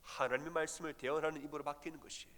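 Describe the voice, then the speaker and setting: A man's voice: fairly high pitch, fairly even intonation, racing, a bit bright, long reverb tail. A middle-aged man preaching an early-morning sermon as pastor, telling stories and acting out the voices he quotes.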